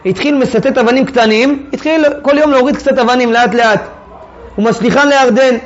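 A man's voice: extremely high pitch, highs cut off. A man teaching a Torah text class, reading sources aloud and then explaining them in casual everyday speech. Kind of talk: text-study lesson to a class.

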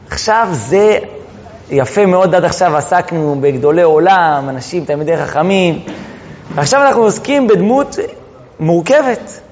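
High-voiced man teaching religious texts. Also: a little hiss or hum. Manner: animated, drawn-out emphasis, storytelling. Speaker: Torah teacher. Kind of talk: religious text lesson. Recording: dull recording in echoing hall.

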